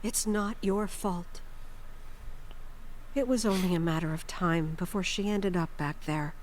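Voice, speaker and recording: An actress playing a weary middle-aged mother in a video game, guarded and caring, speaking in a measured, hushed way. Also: lowish voice, slight background noise, natural voice. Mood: somber.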